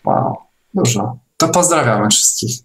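Man chatting casually, halting delivery. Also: mid-range voice, lively intonation, fairly bright tone, soft background music. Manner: halting, repeats words. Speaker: online meeting host. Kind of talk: casual online discussion.

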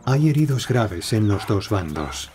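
A man reads scripted nature documentary narration in a measured, dramatic storytelling way. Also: on the low side, very animated, darkish tone. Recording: studio voice-over over prominent music. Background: music, animal sounds.

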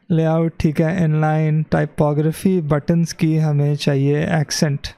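Gravelly, unhurried man walking through a tutorial. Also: fairly high pitch, mellow, no room sound. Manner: thinking aloud, self-correcting, mixing English phrases. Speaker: web design tutor. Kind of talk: screen-recorded software tutorial.

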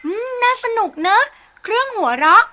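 A sweet high butterfly. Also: female voice, sing-song, normal speed, heavily acted. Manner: gentle, softly polite. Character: sweet polite female butterfly. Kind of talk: cartoon voice acting.

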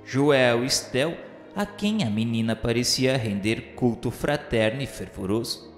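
A man reading a radio novela narration in a solemn, florid, measured literary style. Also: medium pitch, expressive. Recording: echoey long reverb over music. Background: music.

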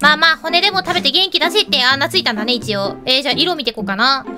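A woman giving excited let's-play commentary, exclaiming and chatting to her pets and viewers. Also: high-pitched, racing. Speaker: gaming YouTuber. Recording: loud game music behind the voice.

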